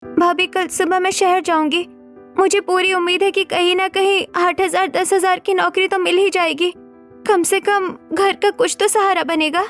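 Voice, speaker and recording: Earnest, pleading young sister-in-law in a cartoon, a woman doing the voice, pitched up high. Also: flat delivery, normal speed, fairly bright tone, faint music behind. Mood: hopeful. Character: young sister-in-law, anxious and guilt-ridden. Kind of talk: cartoon story voice acting.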